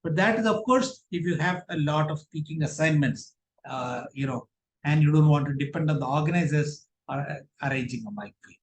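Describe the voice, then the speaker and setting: A man's voice: on the high side, brisk. A man with an Indian accent speaking as a public speaking trainer in an online workshop, explaining and instructing with emphatic stresses. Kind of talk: online workshop talk with question and answer. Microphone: online video call. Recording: roomy, echoey online call sound.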